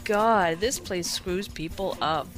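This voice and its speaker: A woman's voice: on the low side, slow, soft background music. A woman playing a skeptical, exasperated office worker in an audio drama.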